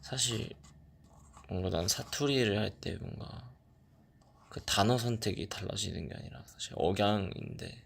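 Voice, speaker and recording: A young man chatting casually with fans on a livestream, soft-spoken and short on sleep, often dropping into a near whisper. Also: fairly low pitch, normal speed, vocal fry, slight background noise. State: sleep-deprived. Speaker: idol on a fan livestream. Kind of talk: casual livestream chat reading fan comments.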